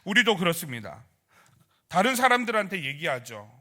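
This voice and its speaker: A man's voice: high voice, big pitch swings, moderate pace, sharp tone. A male pastor preaching at a midweek prayer service, asking the congregation questions and acting out quoted grumbles and prayers. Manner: acts out church members' grumbling and prayers in quoted voices; asks the congregation rhetorical questions.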